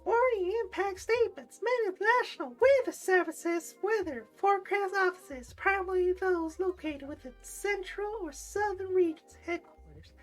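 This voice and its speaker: Lady doing a squeaky nasal flamboyant voice, way up high, reading stuff out loud. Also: normal speed, few pauses, faint music behind. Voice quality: nasal, twangy. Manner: reads text aloud in a bright exaggerated tone. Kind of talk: practice reading on a livestream.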